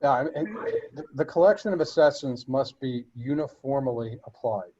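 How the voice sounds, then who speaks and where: A man answering board questions in a webinar, explaining legal steps in a measured way with frequent fillers and restarts. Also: mid-range voice, expressive, dark tone, dull audio, a little hiss or hum. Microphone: web conference audio.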